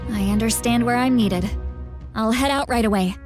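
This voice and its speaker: Woman acting a brisk tribal shaman, proud, dutiful, raised pitch, anime game acting, backing score. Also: darkish tone, close to an everyday voice. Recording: music under the voice. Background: game music.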